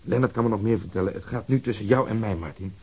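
An actor playing a blunt, hard-nosed, insistent police detective who talks emphatically in a Dutch radio drama. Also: male voice, lowish voice, fast talker, a little mellow, slightly rough. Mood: insistent, angry.

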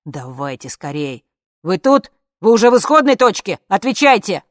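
A woman reading an audiobook, voicing a frantic woman yelling bossy orders over a video link. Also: extremely low pitch, little pitch movement, unhurried, dry recording, clean studio sound. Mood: frantic shouting.

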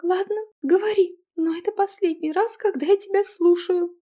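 A woman voicing a hot-tempered, stubborn young woman who shouts her lines shrilly in an audiobook. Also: very high voice, normal speed, voice pushed up. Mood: furious.

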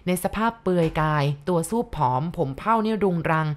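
A woman narrating a ghost story for listeners, speaking politely and addressing the audience directly with soft courteous particles. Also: on the low side, brisk.

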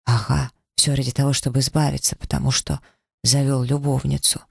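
A man's voice: medium pitch, level tone, a little fast, gravelly, breathy edge, dry recording. A man voicing a young woman who gossips mockingly in an audiobook. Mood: gossiping. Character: young female gossip, chatty and scornful.

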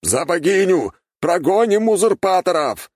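A man voicing a zealous male warrior of a goddess, fervent and shouting. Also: on the high side, fairly quick, slightly rough, no room sound, studio quality, voice pushed up.

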